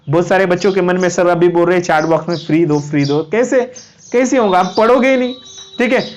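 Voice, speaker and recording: A man's voice: high-pitched, slight background noise. A man coaching students in a live online class, chatty and repetitive, listing points one by one. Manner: chatty, repetitive, keeps saying "okay"; lists items one by one like reading notes. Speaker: online tutor for cadet exams. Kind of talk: live-stream exam coaching and course pitch.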